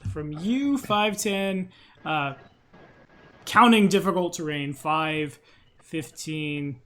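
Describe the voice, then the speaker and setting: Male game master, slightly higher register, casual tabletop delivery, mutters rules and counts aloud. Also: slow, sharp tone. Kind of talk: running a tabletop role-playing game.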